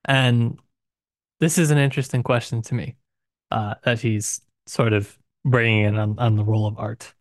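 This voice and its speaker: Guy chatting about literature on a podcast, mid pitch, rewords as he thinks, no room sound. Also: steady tone, normal speed, no echo, clean studio sound. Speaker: podcast co-host. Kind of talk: casual literary discussion.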